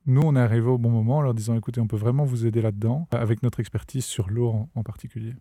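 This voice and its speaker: A Belgian man with a Belgian French accent and a mellow, dark tone, speaking at a middle pitch. He explains his business patiently in an interview, often doubling words as he gathers his thoughts. The sound is dry and close. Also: fairly even intonation, fast talker, dry recording. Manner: explanatory, repeats words while thinking. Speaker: startup founder guest. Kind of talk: podcast interview.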